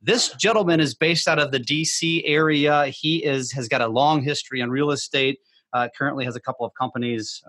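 A man hosting a podcast, introducing his guest in an energetic, hype style. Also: medium pitch, dry recording. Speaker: podcast host. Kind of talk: podcast interview.

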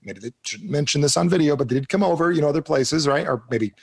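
A man's voice: a little high, fast, creaky, a little mellow, breathy edge. A man from New Jersey talking casually and emphatically as an interview guest and coach. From New Jersey, United States.

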